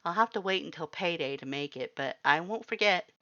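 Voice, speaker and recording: A woman reads the part of a friendly, generous human houseguest in a storybook tale, earnest and teasing. The voice is low and conversational with a bright edge. The audio is slightly dull. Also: lively intonation, brisk. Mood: kind.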